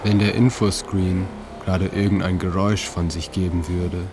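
A man calmly narrating a literary audio story in a slow, even third-person telling. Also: low-pitched, music in the background. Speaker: author-narrator of an audio piece. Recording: clear ambient noise bed under the voice.

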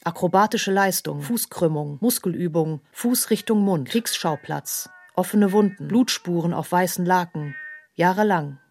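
A woman's voice: on the low side, measured pace, a little mellow. An actress playing a grave female narrator of a tormented childhood in a literary radio play, speaking in stark, clipped, emphatic phrases. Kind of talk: literary radio play monologue, terse fragmented delivery.

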